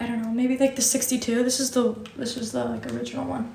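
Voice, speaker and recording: A woman with an American accent speaks at a high pitch, with light background noise and audible room echo. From Indiana. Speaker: lifestyle livestreamer. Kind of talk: casual livestream Q&A while doing makeup. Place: home room. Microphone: phone near.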